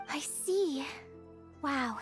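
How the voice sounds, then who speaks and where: A young changeling heroine of a fantasy game. She is earnest, gentle and reflective, speaking in a high voice over quiet music. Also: lively intonation, very slow, heavily acted. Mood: questioning. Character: earnest young changeling woman learning her fate. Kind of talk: scripted fantasy game voice acting.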